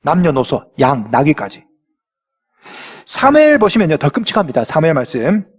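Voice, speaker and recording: A man's voice: on the high side, wildly swooping pitch, moderate pace, husky. A male pastor preaching a sermon in a church, reading scripture aloud and putting questions to the congregation. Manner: asks the congregation rhetorical questions. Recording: long hall reverb in a church.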